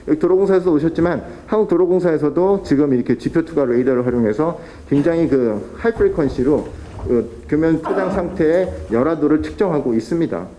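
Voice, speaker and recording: A man's voice: a little high, dark tone, muffled recording. A man presenting at a policy forum, explaining technical methods with fillers and restarts. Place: council hall.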